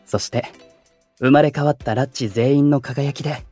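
An actor playing a calm, gentle young male idol who keeps the peace in a Japanese voice drama, speaking politely and with composure. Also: mid-range voice, moderate pace, soft background music, lightly acted. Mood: serene, confident. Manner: soft-spoken, composed, polite and reflective. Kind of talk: Japanese anime-style voice drama acting.

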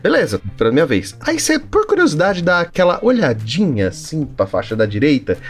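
A man from Pirassununga with a light São Paulo countryside accent, telling stories in an animated, casual podcast chat. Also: fairly high pitch, brisk, soft background music. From Pirassununga, São Paulo interior. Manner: animated storyteller. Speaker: podcast co-host.

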